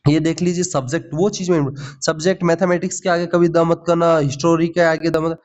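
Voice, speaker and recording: A man teaching English grammar in for exam prep, lively, often asking "ठीक है?" and calling his students "भाई". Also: a little high, fairly quick. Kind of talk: Hindi grammar lesson with English examples. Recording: slightly dull lo-fi audio.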